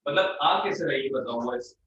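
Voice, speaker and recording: A man's voice: mid-range voice, animated, normal speed, muffled recording. A man teaching a live online electronics class from a studio, his voice bathed in heavy echo and sounding far from the mic. He talks in a firm, blunt way. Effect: heavy echo, as if shouting in a canyon. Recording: echoey, distant studio mic with faint noise.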